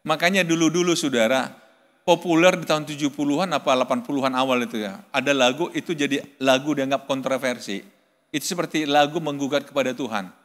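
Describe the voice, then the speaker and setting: A male pastor preaching a sermon to his congregation, animated, rising to loud pleading cries when he reads scripture. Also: fairly high pitch. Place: church hall. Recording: reverberant church hall.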